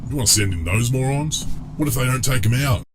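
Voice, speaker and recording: A man voicing a blunt, sceptical villain henchman in an animated series. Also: medium pitch, fast, background noise, lightly acted. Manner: blunt, questioning. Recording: loud music behind the voice.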